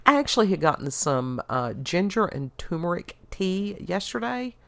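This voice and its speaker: A woman's voice: on the low side, big pitch swings, a little slow, vocal fry. A middle-aged woman with a congested, stuffy voice, chatting casually as a podcast host and telling wry stories. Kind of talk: casual chat.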